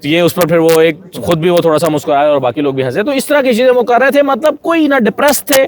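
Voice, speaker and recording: A man's voice: sits high, fast talker. A man with a Pakistani accent giving conversational political analysis as a journalist, repeating phrases for emphasis.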